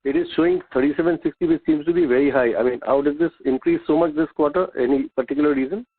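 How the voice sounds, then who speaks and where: Man over a muffled phone line, quick speech, husky voice. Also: fairly high pitch. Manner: polite, questioning, addresses others as sir. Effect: heard over a phone line. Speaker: analyst asking questions on an earnings call.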